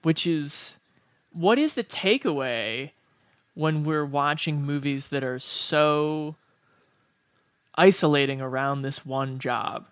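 A man's voice: fairly high pitch, slow pace, smooth, no echo, clean studio sound. A man co-hosting a podcast, discussing films in a casual, analytical way and thinking aloud as he goes.

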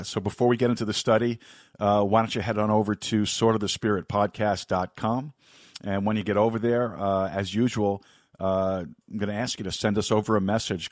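A man hosting a live Bible podcast, talking in a folksy, rambling way with a slightly scratchy, hoarse voice. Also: sits low, dry recording, studio quality. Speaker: podcast host and Bible teacher. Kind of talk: casual live podcast talk.

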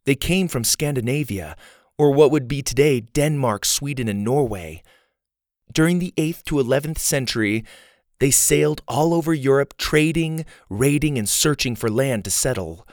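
A man's voice: medium pitch, expressive, moderate pace, dry recording, studio quality, pitched above the performer's own voice, natural voice. A man voicing a bookish young girl who reads facts aloud like a keen pupil. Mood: informative.

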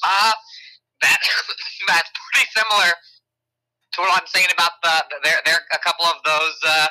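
A hoarse man co-hosting a local sports talk show, talking at length with lots of fillers. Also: a little high, normal speed, pushed and bright, rough recording. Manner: chatty, hedging with fillers. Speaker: sports radio co-host.

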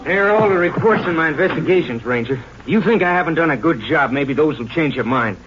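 Touchy, high-voiced small-town constable. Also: male voice, animated, fast talker, a bit bright, highs cut off, soft background music. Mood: defensive. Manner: defensive, blunt, edgy. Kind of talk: 1950s radio drama acting. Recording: noisy band-limited 1950s radio recording.

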